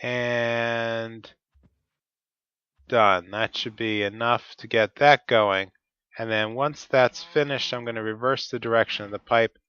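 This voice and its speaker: A man's voice: mid-range voice, steady tone, slow, bright, forceful tone, clean tone, dry recording, dull audio. A man with a stuffy, cold-affected voice, talking methodically through each step of his gameplay. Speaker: Let's Play host. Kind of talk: casual gameplay commentary.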